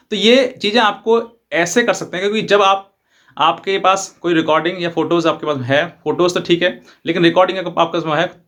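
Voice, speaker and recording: Higher-pitched man explaining legal matters. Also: fairly bright tone. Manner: repetitive, explanatory, mixes in English legal terms. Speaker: advocate presenting legal advice videos. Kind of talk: informal explainer to camera.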